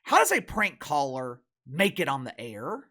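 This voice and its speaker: A man's voice: a little high, wildly swooping pitch, measured pace, pushed and bright, husky. A man, middle-aged, hosting online commentary in a sarcastic, mocking, emphatic manner. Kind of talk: opinionated commentary to camera.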